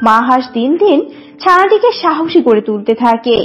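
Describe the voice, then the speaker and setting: Female narrator, scripted children's tale, high pitch, lively intonation, slightly muffled audio, background music. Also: moderate pace.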